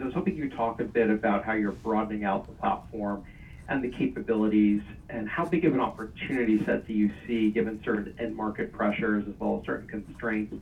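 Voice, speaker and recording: A man's voice: fairly low pitch, gravelly. A man asking a question as a financial analyst on an earnings call. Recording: narrow tinny phone line, distant, faint noise.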